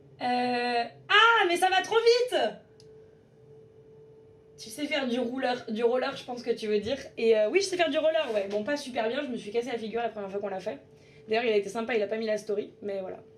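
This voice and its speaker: Over noticeable background noise, a woman with a high pitch talks fairly quickly with lively intonation. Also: big swings in loudness. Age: 20s. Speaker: live streamer. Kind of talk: casual chat. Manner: animated.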